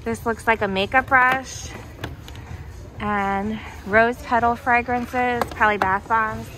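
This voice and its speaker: A young American woman with a slightly high voice and fairly even intonation speaks slowly as she enthusiastically shows off items in a discount store. The shopping vlogger holds the camera or phone herself, and the low-quality recording has music behind it.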